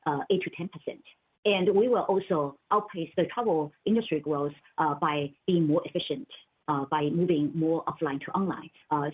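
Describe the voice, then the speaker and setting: A woman executive answering analysts on an earnings call, measured and pausing between short phrases. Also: deep voice, slightly rough. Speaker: company executive. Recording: muffled narrow telephone conference line.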